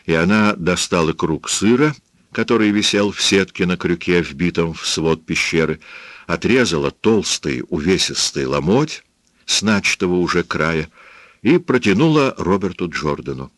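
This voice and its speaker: Male audiobook narrator, very low voice, measured literary reading, dry booth sound. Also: animated, fairly bright tone, dry recording.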